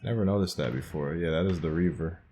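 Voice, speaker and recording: A man's voice: sits low, quick pace, warm tone. A man giving casual playthrough commentary as host of a gaming video, with game music behind him. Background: faint game music.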